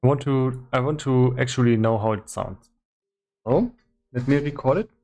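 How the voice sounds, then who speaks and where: A man doing casual livestream commentary as he works on game development, thinking aloud in a halting way. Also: medium pitch, darkish tone. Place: indoors in his own room.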